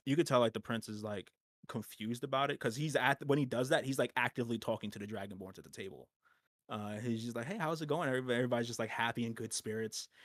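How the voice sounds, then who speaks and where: A man's voice: medium pitch, dry recording, studio quality. A man narrating as game master of a tabletop game, rambling with lots of fillers and frequent laughter.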